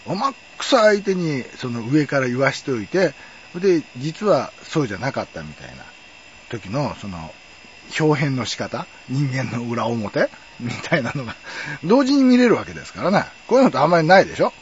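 A man's voice: mid-range voice, moderate pace, dull audio, a little hiss or hum. A middle-aged man telling a personal story in a wry, chatty way. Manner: wry, chatty, lively intonation. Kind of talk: casual storytelling monologue.

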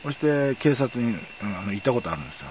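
A man's voice: medium pitch, quick pace, dull audio, background noise. A middle-aged man telling a personal story in a wry, chatty way. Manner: wry, chatty, lively intonation. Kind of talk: casual storytelling monologue.

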